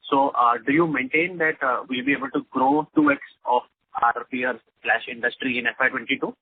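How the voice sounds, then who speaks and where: A man speaking as a financial analyst, politely and haltingly asking long questions on an earnings call. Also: medium pitch, sing-song, breathy edge. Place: telephone conference call. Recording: tinny narrowband telephone line.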